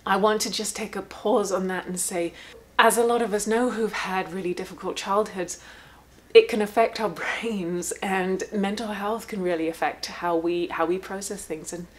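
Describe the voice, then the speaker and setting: A woman's voice: mid-range voice, fairly even intonation, moderate pace. A woman who works as a therapist, talking candidly at home in a rambling, reflective way with sarcastic asides. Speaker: therapist and channel host. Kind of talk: casual reflective monologue. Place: home room.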